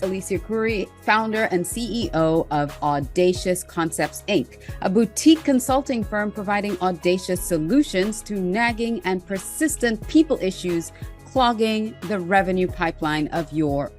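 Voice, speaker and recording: A woman's voice: fairly low pitch, animated, normal speed, darkish tone, faint music behind. A woman from Trinidad with a Trinidadian accent, hosting a podcast interview with enthusiastic, emphatic delivery. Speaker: podcast host.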